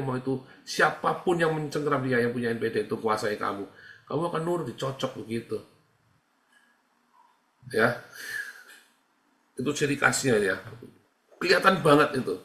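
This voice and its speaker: A man's voice: medium pitch, normal speed, pauses often, a bit bright. A man speaking as a pastor, teaching in a casual, conversational way, repeating phrases and acting out quoted dialogue. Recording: roomy echo.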